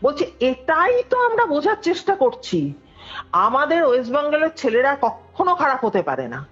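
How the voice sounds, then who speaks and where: Telling a ghost story as a guest, she speaks at a moderate pace in a voice that sits high. Her delivery is chatty and animated, with the quoted lines acted out, and the call audio is dull and lo-fi with music in the background.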